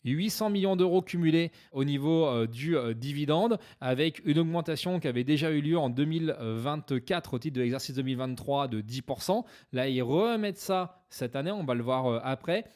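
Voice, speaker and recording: A man's voice: on the high side, moderate pace, few pauses, darkish tone. A French-speaking man explaining stock investments to viewers in a conversational way, with frequent hesitations. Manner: conversational, many "euh" fillers; jokes about his own English accent. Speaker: finance YouTuber.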